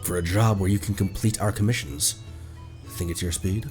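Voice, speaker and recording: A man's voice: low-pitched, steady tone, moderate pace, darkish tone. A man livestreaming a game, playful and theatrical, reacting and reading dialogue aloud. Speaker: streamer. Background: faint game music.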